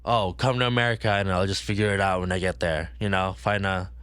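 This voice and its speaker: A man's voice: sits low, fairly even intonation, quick pace, a bit bright, clear, resonant tone, dry recording. A man hosting a podcast, talking in a laid-back, casual way and agreeing often. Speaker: podcast host.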